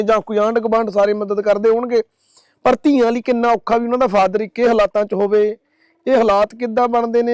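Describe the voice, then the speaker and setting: A man's voice: sits high, darkish tone. A Punjabi-accented man hosting a charity video, consoling a family and appealing to viewers. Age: adult. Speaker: social-service video host. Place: outdoors at a village home.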